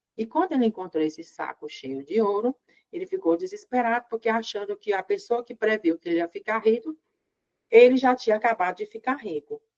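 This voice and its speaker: The sound is dry and close with no echo as a woman speaks fairly quickly, her fairly high pitch swinging very widely. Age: 60s. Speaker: doctor and women's health educator. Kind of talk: informal talk to camera. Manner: fluent, practiced public speaker.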